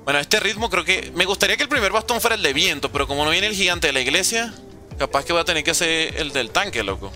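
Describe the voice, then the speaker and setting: A young man in his late teens streams a game and banters with his viewers in a sarcastic, joking tone. His voice is sharp and bright, a little high for a man, and it bounces around a lot as he talks. Faint music plays behind him. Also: animated, fast. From Venezuela. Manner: joking and sarcastic while reading chat questions. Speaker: gaming streamer. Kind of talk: casual livestream commentary.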